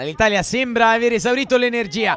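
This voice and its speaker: Noticeable background noise is present. Over it, a man is talking. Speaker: football commentator. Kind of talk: live sports commentary, clipped play-by-play over match highlights. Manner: fast, breathless, excitable.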